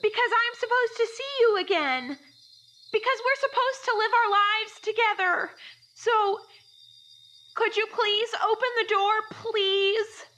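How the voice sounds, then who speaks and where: Very high, bright, pleading woman. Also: measured pace, full character voice. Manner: earnest, rambling politeness. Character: earnest, pleading, devoted young woman. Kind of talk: audio drama acting.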